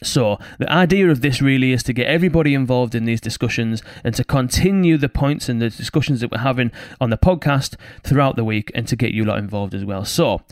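A man hosts a podcast and welcomes his guest. He talks quickly and with upbeat emphasis, his voice recorded dry and close, with no room sound. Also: medium pitch, no room sound. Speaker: podcast host. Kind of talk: podcast hosting and interviewing.

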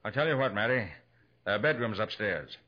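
An actor playing a shrewd, wry, commanding private detective in a 1940s radio crime drama, speaking in a brisk, clipped way. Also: male voice, on the low side, expressive. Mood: shrewd, probing. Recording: dull lo-fi 1940s radio recording.

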